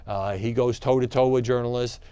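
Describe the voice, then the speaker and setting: A man giving conversational opinion commentary, halting at times and stressing key words. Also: mid-range voice, steady tone, warm tone, clean tone, no room sound. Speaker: media commentator.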